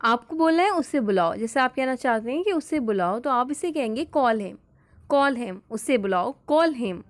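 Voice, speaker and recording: A woman teaches everyday English phrases and explains each one patiently. Her voice sits a little high, and she repeats every phrase slowly. The close recording is dry, with almost no room sound. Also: animated, dry recording. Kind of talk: spoken English lesson.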